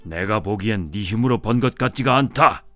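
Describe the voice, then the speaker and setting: A man's voice: on the low side, lively intonation, moderate pace, sharp tone, no room sound, voice pushed up. A man voicing a stern, weighty old father in an audiobook folk tale, with music behind. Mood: scolding. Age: older. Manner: scolding, weighty, old-fashioned speech. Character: stern old father, wealthy and worried, testing his son.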